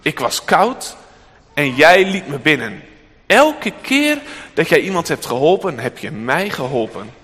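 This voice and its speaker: A man voicing a calm, solemn, unseen divine voice in a storybook reading, speaking slowly. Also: fairly high pitch, husky, in a large hall, heavily acted.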